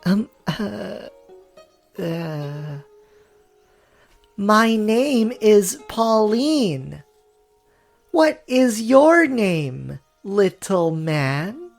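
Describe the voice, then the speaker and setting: A woman's voice: mid-range voice, sing-song, drawn-out words, creaky, long pauses, faint music behind, exaggerated voice. A woman voicing an earnest young foreign woman in a story game, chatty, easily flustered and prone to stammering. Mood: earnest, polite. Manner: stammering, indignant when teased. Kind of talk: dramatic character voice reading of a story game.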